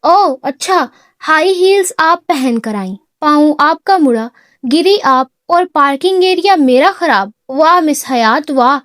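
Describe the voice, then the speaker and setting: A woman reading aloud plays a stern, rule-bound businessman, curt and exasperated, with barely any lowering of her own high voice. Dry close sound. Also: lively intonation, fairly bright tone, dry recording.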